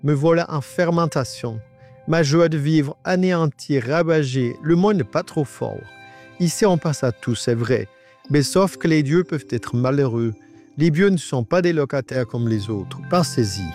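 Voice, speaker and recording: A man's voice: fairly high pitch, lively intonation, darkish tone, soft background music. Elderly man through an AI voice changer. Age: 90s. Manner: halting, with many restarts and repetitions. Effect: voice altered by an AI voice changer. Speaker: interviewee. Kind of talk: personal testimony in a radio interview.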